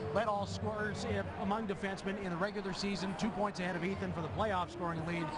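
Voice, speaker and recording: A man talks at a very fast pace and high pitch with ordinary pitch variation. The sound is dry with no echo, but the background noise is loud. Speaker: sports broadcast analyst. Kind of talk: broadcast hosting and studio commentary. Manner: polished, formal, clear. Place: stadium. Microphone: handheld.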